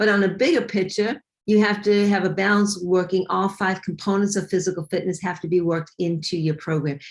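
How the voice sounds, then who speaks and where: An unremarkable speaking voice at a fairly quick pace, with fairly even intonation and hardly any pauses. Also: woman, medium pitch for a woman. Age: 60s. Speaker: fitness coach. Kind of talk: interview.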